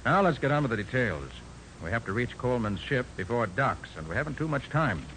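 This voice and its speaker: An actor playing a brisk, confident private detective in a 1940s radio drama. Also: male voice, mid-range voice, very animated, natural voice. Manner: brisk, decisive. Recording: faintly noisy old radio recording.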